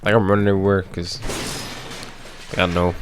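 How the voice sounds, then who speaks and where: A man's voice: sits low, level tone, a little fast, a little hiss or hum. A man giving casual, slangy, grumbling commentary as he plays through a video game. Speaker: gaming video host. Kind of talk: casual blind playthrough commentary. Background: video game audio.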